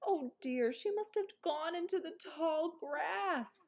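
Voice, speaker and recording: Woman voicing an anxious high-pitched boy rabbit. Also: lively intonation, takes it slowly, full character voice. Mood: panicked, worried. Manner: exclaiming, calling out anxiously. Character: worried young boy rabbit, anxious big brother. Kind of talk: children's storybook read-aloud.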